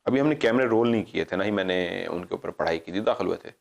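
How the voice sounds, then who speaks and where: In a muffled recording, a deep, creaky-voiced middle-aged Pakistani man talks fast as he recounts a tale for his paranormal show. His casual, lively telling acts out the characters' lines, drifts into digressions, and pauses for self-corrections.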